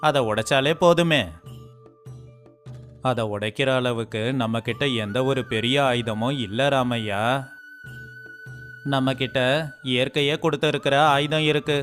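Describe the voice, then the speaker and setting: A man's voice: mid-range voice, unhurried, pauses often, fairly bright tone. Man voicing village men in a story. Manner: plays several village men in turn. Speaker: voice actor for story characters. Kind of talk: storybook dialogue acting. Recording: faint music behind.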